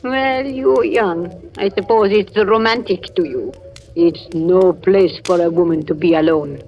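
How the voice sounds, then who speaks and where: An actress playing an older village gossip who speaks in a slow, pointed, insinuating way, in 1940s radio acting. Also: female voice, lowish voice, slight background noise. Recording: lo-fi vintage radio recording.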